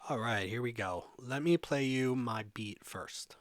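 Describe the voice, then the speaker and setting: A man's voice: medium pitch, measured pace. A man presenting a music production tutorial in an informal, conversational way, explaining things step by step.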